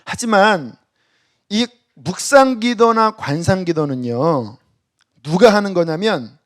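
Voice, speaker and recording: At a church worship service, a male pastor delivers a sermon, swinging between loud exhortation and hushed near-whispers while leading the congregation in reading scripture aloud. His voice sits high, expressive and slow-paced.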